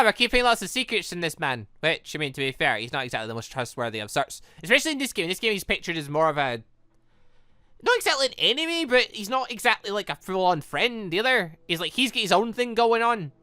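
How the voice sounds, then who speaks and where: A man's voice: high voice, sing-song, fast, sharp tone, clear, resonant tone, dry recording, clean studio sound. A man giving casual let's play commentary, rambling and playfully reacting aloud to himself. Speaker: gaming video host.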